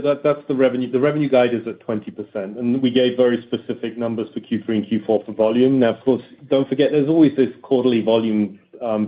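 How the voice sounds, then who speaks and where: A man speaking as a company executive on an earnings call, explaining figures to analysts and often restating his words as he goes. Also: medium pitch. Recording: tinny phone-like conference call audio.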